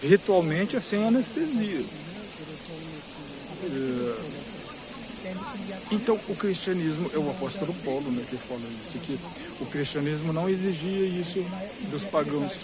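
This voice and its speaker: A Brazilian man with a slightly high voice talks informally and digressively, as if vlogging from a queue. He explains things at length and repeats points for emphasis. A busy crowd is clearly heard around him. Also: animated, moderate pace, pauses often, poor audio. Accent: Brazilian Portuguese. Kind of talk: rambling informal commentary to camera. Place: among a crowd in a queue outside a cathedral. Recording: busy crowd noise with hiss. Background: crowd chatter.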